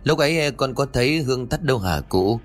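A man's voice: mid-range voice, lively intonation, fairly quick, pitched above the performer's own voice, natural voice. A man voicing a timid young servant girl who pleads in a raised voice. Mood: puzzled.

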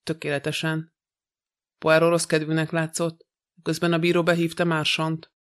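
Flat, clear-voiced male audiobook reader. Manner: even, measured reading with little pitch movement. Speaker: audiobook narrator. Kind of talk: scripted audiobook narration.

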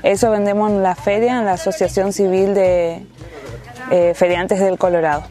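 A young woman farmer from Formosa, talking in a halting way with many fillers. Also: medium pitch, steady tone, mellow, soft background music. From Formosa, Argentina. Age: young adult.

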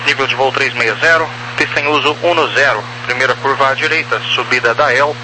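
A man's voice: mid-range voice, steady tone, a little fast. Male air traffic controller on noisy radio. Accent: Brazilian. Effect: aviation two-way radio. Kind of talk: procedural radio clearances. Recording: noisy radio channel with hum.

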